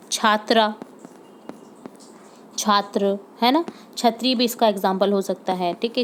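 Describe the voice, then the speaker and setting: A woman teacher with a medium-pitched voice goes through a homework lesson for young pupils, patiently repeating example words and checking in with the class. There's a little hiss or hum on the recording.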